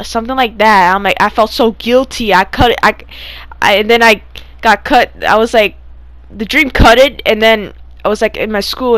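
A young woman casually telling stories of dreams in a puzzled, halting way, repeating and trailing off. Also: mid-range voice, a bit bright, no echo. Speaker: storyteller recounting own dreams. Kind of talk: casual story time over gameplay.

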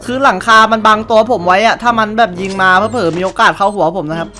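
A young man giving excited gameplay commentary, taunting opponents and repeating short calls over and over. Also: sits high, fast talker, soft background music. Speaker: gamer streamer.

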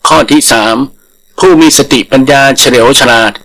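A man's voice: medium pitch, normal speed, fairly bright tone, poor audio. A man reading a scripted moral folktale as a storyteller.

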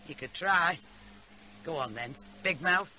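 A woman's voice: deep voice, animated, measured pace, very noisy. An actress playing a blunt, wry old country grandmother with a Northern English accent in a radio drama. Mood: scolding, dry. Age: older. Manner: plain-spoken, dry, homely. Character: blunt, wry old rural grandmother, fond but scolding.

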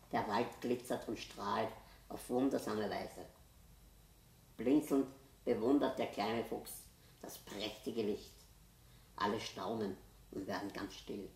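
A woman reading a children's Christmas story aloud as host, gentle and unhurried. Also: extremely low pitch, gravelly. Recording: roomy echo.

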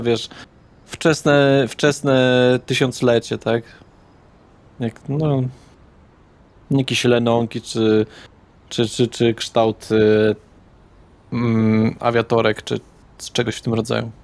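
A man narrating a tabletop role-playing game as game master, halting as he searches for words. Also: medium pitch, little pitch movement.

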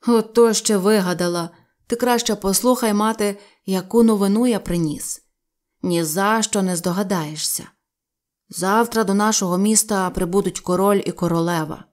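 A woman's voice: mid-range voice, normal speed, a little mellow, natural voice. A woman voicing a peasant father sharing news in a storybook reading, in her own conversational voice. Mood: eager.

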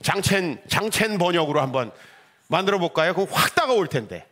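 Male pastor, middle-aged, animated sermon delivery, bright voice with big swings in pitch. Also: fairly quick. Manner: animated, rhetorical questions, acts out quoted voices.

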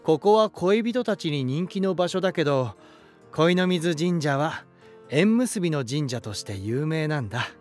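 An actor playing an elegant, romantic lighthouse spirit in a voice drama, gentle and warm, with poetic, softly teasing delivery. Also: male voice, fairly high pitch, lively intonation, a little slow. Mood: kindly teasing. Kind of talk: Japanese voice drama monologue and dialogue. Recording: music behind. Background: music.

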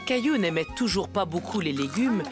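A woman playing a kindly narrator who reads a children's story in gentle, clearly phrased storytelling. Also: lowish voice, expressive, moderate pace, lightly acted. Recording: music behind the voice.

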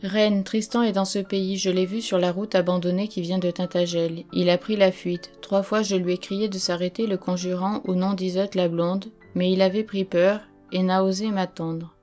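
A woman's voice: lowish voice, level tone, moderate pace, few pauses, a little mellow, faint music behind, close to an everyday voice. A woman reading the lines of an earnest, insistent medieval knight.

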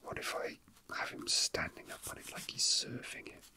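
Someone whispering breathily and unhurriedly, murmuring casually to themselves in an ASMR style, close to the microphone. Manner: soft, unhurried, murmuring to self. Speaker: toy unboxing video host.

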